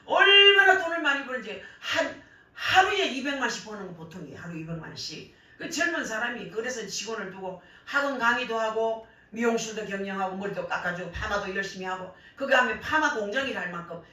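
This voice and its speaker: Hoarse older woman preacher with Gyeongsang accent. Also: on the high side, brisk. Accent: Gyeongsang Korean. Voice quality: worn, hoarse voice damaged by years of crying out in prayer. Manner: animated storytelling, acting out quoted remarks. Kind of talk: sermon with personal anecdotes. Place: church service, roomy indoor hall. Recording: very echoey church hall, distant mic.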